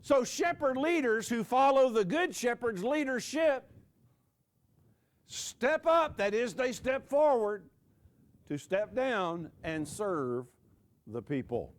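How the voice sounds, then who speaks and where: A man in his sixties preaching a sermon with dramatic pauses, dropping his voice low on key words and joking with the congregation. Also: expressive. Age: 60s. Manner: jokes with the audience.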